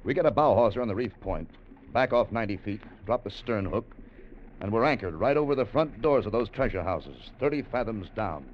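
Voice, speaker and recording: An actor playing an earnest expedition leader. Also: male voice, lowish voice, animated, brisk, very noisy, close to an everyday voice. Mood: explaining. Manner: earnest, hesitant, explanatory. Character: treasure-seeking salvage expedition leader, earnest man. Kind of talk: 1940s radio acting. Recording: dull old radio broadcast.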